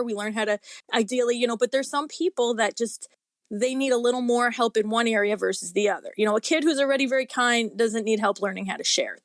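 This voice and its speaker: A woman's voice: on the high side, no echo, clean studio sound. A woman talking in a casual interview as a guest author, earnest and rambling, peppering her speech with little filler phrases. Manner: talkative, rambling, earnest, often says "you know" and "like".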